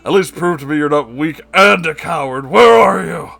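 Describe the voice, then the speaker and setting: A man's voice: on the high side, moderate pace, creaky, sharp tone, faint music behind, voice pushed up, exaggerated voice. A man voicing a pompous, boastful male neckbeard anime fan who makes grandiose, theatrical declarations in a comedic story reading. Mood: boastful taunting.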